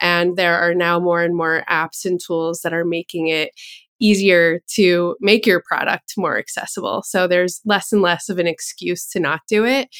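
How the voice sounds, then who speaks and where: With an American accent and a normal speaking voice, a woman speaks at a moderate pace in a fairly low pitch with fairly even intonation, captured in a very clean recording with a silent background and a dry, close sound with no echo. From New York. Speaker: marketing executive, podcast host. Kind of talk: interview.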